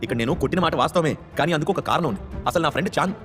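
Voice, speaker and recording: A man voicing a calm, stubborn young man who earnestly defends himself and pleads to be heard. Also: on the high side, very fast, soft background music, pitched above the performer's own voice. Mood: pleading.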